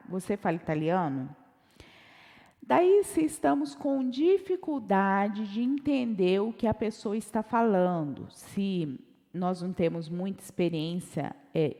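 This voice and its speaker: Woman teacher, mellow voice, echoey room. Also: medium pitch. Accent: Brazilian Portuguese. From Brazil. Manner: slow, careful repetition of English phrases. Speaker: English teacher. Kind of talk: online language lesson with slides.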